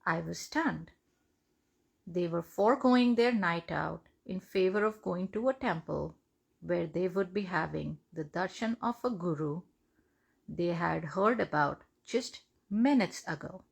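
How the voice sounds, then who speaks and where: A woman reads a devotional testimony aloud in measured, deliberate phrases. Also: on the low side, vocal fry, husky. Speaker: devotional reader.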